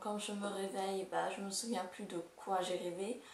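A teenage girl talking hesitantly and softly in an old casual vlog, with many fillers. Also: medium pitch, little pitch movement, normal speed, recorded from a distance, a crowd in the background. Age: teens. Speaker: young youtuber in an old clip. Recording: old roomy home video with loud hiss.

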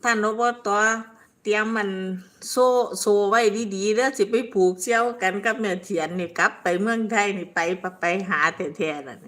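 A woman's voice: medium pitch, moderate pace. An older woman with an Isan accent from northeastern Thailand, chatting casually on a live stream, reading out viewer comments, rambling and laughing often. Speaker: livestream host.

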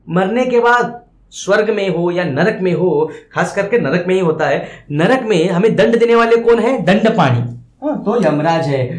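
A man, a Hindi teacher, explains a poem line by line, repeating words and glossing each one, in an echoey room. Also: high-pitched.

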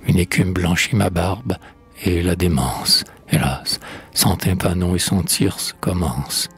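A man's voice: deep voice, breathy edge, heavily acted. A man reading the part of a grieving, guilt-stricken hero in a solemn, lamenting recitation.

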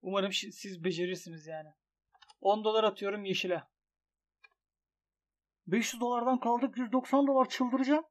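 Young male gaming streamer, high voice, excitable, groans and yells at his own bets. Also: normal speed, pauses often. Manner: excitable, swings from grumbling to shouting at losses. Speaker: gaming YouTuber. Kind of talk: commentary on an online gambling site.

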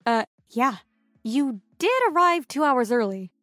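Woman acting a casual coworker, higher-pitched. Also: lively intonation, unhurried, fairly bright tone, no room sound, clean studio sound, soft background music. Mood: teasing. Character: teasing, sympathetic female bookshop coworker. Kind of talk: audio drama acting, casual.

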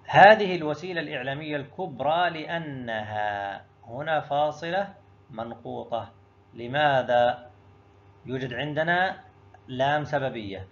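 A man leads students through an exam review, talking to them directly, quizzing himself aloud, then explaining each answer step by step. He speaks in a mid-range voice at a measured pace with long pauses, and the high frequencies are missing from the audio.

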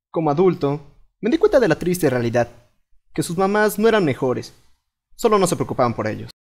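A young man with a Latin American Spanish accent narrating a comedic cartoon storytime with an animated, playful delivery. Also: high-pitched. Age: young adult. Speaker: fandub narrator.

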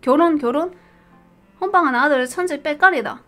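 A woman's voice: high-pitched, brisk, a bit bright, faint music behind. A young woman streamer casually talking through a quiz, reading questions aloud, puzzling over answers and laughing often.

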